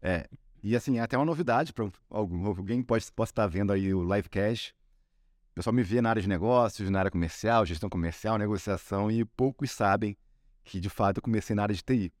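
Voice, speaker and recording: A man's voice: fairly low pitch, brisk, darkish tone, no room sound, studio quality. A man with a Carioca accent from Rio de Janeiro, a sales executive telling his career story as a podcast guest in a chatty way, often tagging on questions. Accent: Carioca Brazilian Portuguese. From Rio de Janeiro, Brazil. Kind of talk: casual podcast interview.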